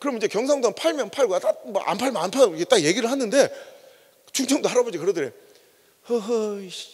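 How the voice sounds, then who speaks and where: Extremely high-pitched for a man, his voice races at a very fast pace with lively intonation, yet breaks into long, frequent pauses. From Chungcheong, South Korea. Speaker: pastor. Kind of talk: sermon. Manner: animated.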